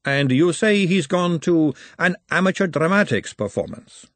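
A man voicing an imperious aristocratic noblewoman in an audiobook, with a husky, emphatic manner. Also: a little high, sing-song, moderate pace, no echo, pitched above the performer's own voice. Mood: lofty. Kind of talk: audiobook character voice.

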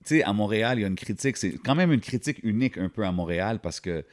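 A man with a Québécois French accent hosting a relaxed interview, slangy and mixing English words into his French. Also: lowish voice, rapid-fire. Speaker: interview host. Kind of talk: casual interview.

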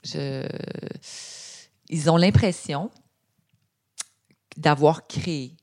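A woman with a Québécois accent and a low voice, chatting freely as an interview guest. She tells her stories with energy and acts out the lines of the people she quotes. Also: very slow. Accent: Québécois French. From Quebec, Canada. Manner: animated storytelling with imitated quotes. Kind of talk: conversational interview.

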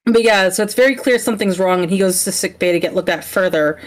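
A woman co-hosting a casual podcast, recapping a TV episode in a rambling, self-correcting, animated way. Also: medium pitch, quick pace. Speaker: podcast co-host.

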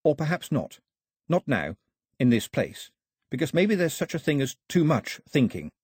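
A man's voice: fairly high pitch, sing-song, normal speed, darkish tone, slightly rough, no room sound, clean studio sound, voice pushed up. A man voicing a prim, proper young girl who speaks in an earnest, slightly indignant way. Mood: musing.

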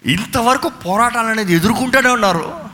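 A man's voice: very high-pitched, fairly quick. A male pastor preaching a fervent sermon and leading prayer in a church, urging the crowd with repeated calls. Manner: fervent, repetitive exhortation, calls for loud praise. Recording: reverberant church hall with music.

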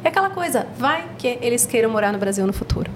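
Animated Brazilian woman guest, quick-talking. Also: fairly high pitch, background noise. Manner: animated storyteller, acts out quotes. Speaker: podcast guest, project founder. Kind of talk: casual podcast chat.

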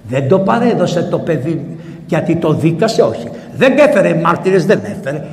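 A man, a priest, giving a sermon in a church and retelling a story in lively, colloquial language. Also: fairly high pitch, gravelly. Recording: echoey church with long reverb.

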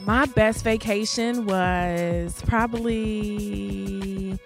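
A woman's voice: mid-range voice, fairly even intonation, extremely slow, creaky, over music. A woman in her thirties co-hosting a casual studio chat, telling stories with teasing enthusiasm. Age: 30s. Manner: exuberant storyteller, teasing. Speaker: co-host.

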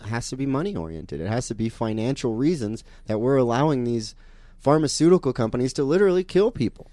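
A man's voice: mid-range voice, lively intonation, quick pace, mellow, no echo. A man hosting a talk show, speaking emphatically and often checking in with "you know?". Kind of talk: casual radio talk.

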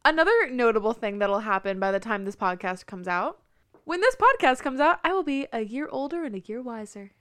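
Twenty-something woman cohosting a podcast, sarcastic and teasing, smooth voice, dead dry sound. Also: fairly high pitch, animated, fairly quick, a bit bright, dry recording. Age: 20s. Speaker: podcast co-host. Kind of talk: casual chat.

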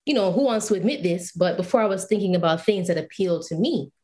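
A woman guest in a casual podcast interview, talking in an animated, emphatic way. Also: on the low side, fast talker. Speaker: guest, UI/UX designer and photographer.

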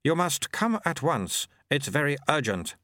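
A man playing a mysterious cloaked male stranger who speaks slowly and formally. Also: a little high, big pitch swings, sharp tone, no room sound, studio quality, pitched above the performer's own voice, exaggerated voice. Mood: solemn. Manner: slow, measured, formal.

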